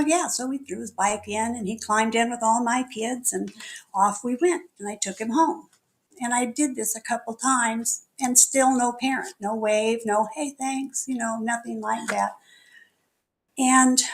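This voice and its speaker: A middle-aged woman minister preaching to her congregation with a slightly high voice. She tells her story in a chatty, candid way and laughs at herself now and then. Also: moderate pace. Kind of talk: sermon with personal storytelling. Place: spiritual center meeting hall.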